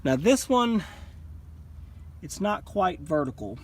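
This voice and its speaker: Outdoors at his sawmill, a slightly out-of-breath man casually shows off his upgrades in a plainspoken, folksy how-to vlog, explaining as he goes. His high voice swings widely in pitch, he speaks slowly, and the recording is very noisy.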